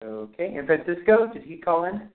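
A man leading a spiritual class on a conference call, calling the roll and guiding a prayer in an unhurried, plain-spoken way. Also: high-pitched, sing-song. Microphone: phone call. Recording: tinny phone line.

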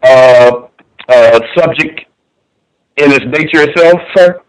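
A man's voice: medium pitch, takes it slowly, clear, resonant tone, low-quality recording. A male radio host pressing his guest with repeated, pointed questions. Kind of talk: call-in radio interview.

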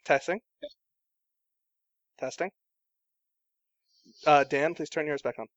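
A man acting as game master, briskly organizing players over an online call. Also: on the high side, steady tone, no echo, muffled recording.

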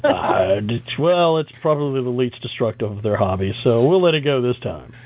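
A man's voice: mid-range voice, lively intonation, moderate pace, dry recording. A man co-hosting a casual talk show, wisecracking and sardonic. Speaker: co-host. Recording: tinny phone-like line.

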